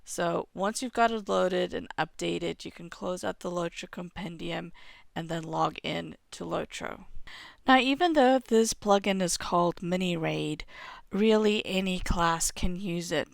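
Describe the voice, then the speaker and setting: A woman's voice: lowish voice, measured pace, no room sound, clean studio sound. A woman in her thirties with a cough, hosting a game tutorial and explaining settings step by step into a headset mic from home. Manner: steady step-by-step explaining, clears throat now and then. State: has a cough. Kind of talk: screen-recorded game tutorial. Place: home room.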